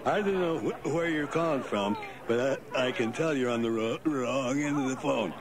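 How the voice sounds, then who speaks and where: A man's voice: medium pitch, moderate pace, lightly acted. A man playing a tipsy office reveler, slurring and stumbling through a comic phone greeting. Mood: drunk. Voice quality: slurred, stumbling drunk speech. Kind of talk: comic answering machine greeting. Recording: party crowd noise on old tape.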